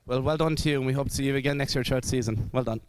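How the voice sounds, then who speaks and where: Male presenter, quick and a touch high, dry close sound. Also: a little mellow, clean tone, dry recording. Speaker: event presenter. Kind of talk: live interview wrap-up.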